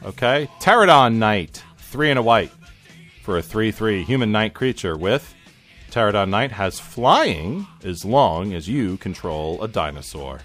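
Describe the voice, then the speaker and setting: A man with a low voice hosts a casual card-game podcast, reading each card aloud. His pitch swings widely, his delivery is animated and halting, and he fills gaps with "um" and "uh". A faint guitar track plays behind him. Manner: animated, halting with frequent fillers. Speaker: podcast host.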